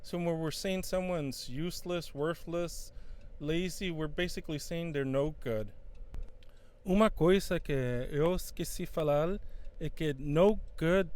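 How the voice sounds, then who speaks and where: A man's voice: on the high side, darkish tone, clean tone. Man teaching in Portuguese. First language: English. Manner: switches between English and Portuguese, halting with fillers. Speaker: English teacher. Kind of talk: bilingual English lesson.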